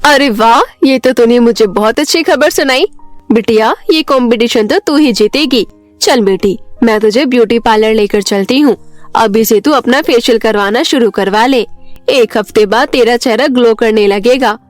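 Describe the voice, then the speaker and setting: A scheming, sharp-tongued stepmother, played by a woman in an animated bedtime story. She talks in a brisk, fairly high voice. Soft music runs faintly behind. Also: no room sound, close to an everyday voice.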